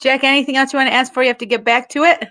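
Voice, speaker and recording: Bright-voiced upbeat woman host. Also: high voice, steady tone, rapid-fire. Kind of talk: hosting a talkback on a video call.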